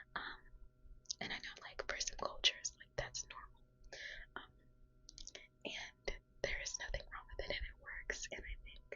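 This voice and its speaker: Whispering with long, frequent pauses and big swings in loudness, a voice comes through noticeable background noise. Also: woman, moderate pace. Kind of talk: ASMR whisper ramble to camera. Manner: whispered.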